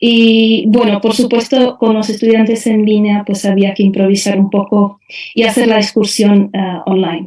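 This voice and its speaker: With a Czech accent, a woman speaks at a fairly slow pace in a fairly high pitch, her intonation monotone and flat and her loudness very even. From Czech Republic. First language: Czech (speaking Spanish). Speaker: university lecturer. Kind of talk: presentation. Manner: halting with frequent fillers.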